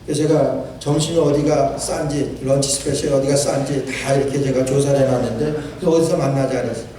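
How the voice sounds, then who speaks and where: A man's voice: mid-range voice, steady tone, fairly quick, dark tone, slight background noise. A male pastor preaching a sermon, repeating phrases for emphasis and quoting scripture. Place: church sanctuary. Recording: echoey church hall from a distant mic.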